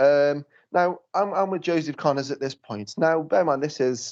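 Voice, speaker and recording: A man with an English accent talks at a moderate pace. His fairly high voice has lively intonation. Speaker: wrestling promoter and former manager. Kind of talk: casual podcast chat. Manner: loud.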